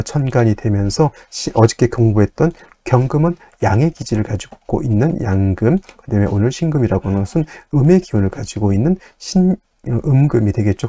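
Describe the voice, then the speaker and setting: Mellow-voiced man teaching a patient lecture. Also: medium pitch, no echo. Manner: patient, repetitive drilling with frequent fillers. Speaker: saju astrology teacher.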